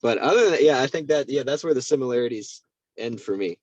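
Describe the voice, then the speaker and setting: A man's voice: medium pitch, expressive, fast, slightly rough, no echo, muffled recording. A man in a casual analytical conversation, speaking as a discussion partner who questions and carefully qualifies his points.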